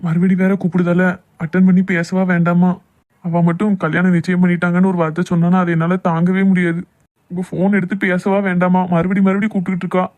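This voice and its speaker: A man's voice: high-pitched, little pitch movement, fast talker, a little mellow, close to an everyday voice. A man playing a hurt, jealous young lover in a cartoon love drama, with a southern Tamil Nadu accent. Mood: anxious brooding.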